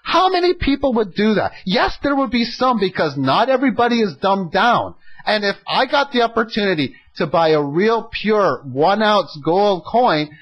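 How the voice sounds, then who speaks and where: A man hosts an informal audio commentary. He speaks emphatically and with clear opinions. He often sets up rhetorical questions and then answers them himself. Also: high-pitched, big pitch swings, moderate pace, muffled recording. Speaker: host of an economic audio log.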